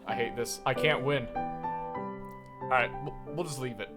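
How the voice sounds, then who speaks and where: A young man streaming a visual novel, reading the text aloud and joking about it in an animated way. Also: medium pitch, a little slow. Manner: animated, jokey, reads game text aloud. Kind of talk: game playthrough, reading aloud and commenting. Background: faint piano game music.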